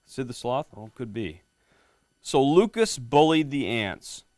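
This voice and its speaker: Friendly middle-aged male cop reading a picture book to a classroom; mid-pitched, dry sound. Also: very animated, takes it slowly, darkish tone, no echo. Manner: friendly, quizzing the kids, often asks "right?". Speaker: police lieutenant reading to students. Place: elementary school classroom.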